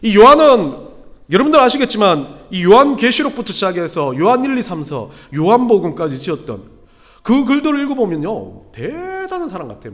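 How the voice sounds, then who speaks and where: A male pastor in his thirties preaching a sermon, telling stories with self-deprecating humor and building to emphatic exclamations. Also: sits high. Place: church sanctuary. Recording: long church hall reverb.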